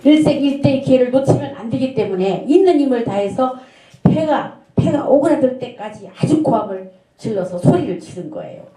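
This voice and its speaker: A middle-aged woman pastor preaches an earnest sermon in a church sanctuary, telling a story and posing rhetorical questions. Her voice is high-pitched, expressive and warm, moving a little fast. The room's echo carries through the recording.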